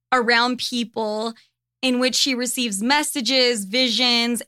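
A woman's voice: fairly high pitch, dry recording, clean studio sound. A young American woman hosting her podcast, telling stories candidly in a casual, profane way. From United States. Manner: profane, candid, animated storytelling. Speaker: podcast host.

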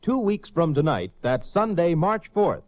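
A man announcing from a script in a formal, measured 1950s radio style, on a dull old recording. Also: a little high, big pitch swings.

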